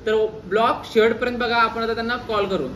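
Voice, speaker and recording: Vlogger, casual, persistent, mock-earnest, mid-pitched voice, noisy ambient recording. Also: steady tone, brisk. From Solapur, Maharashtra, India. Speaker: vlogger making a prank phone call. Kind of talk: casual vlog chat and prank phone call.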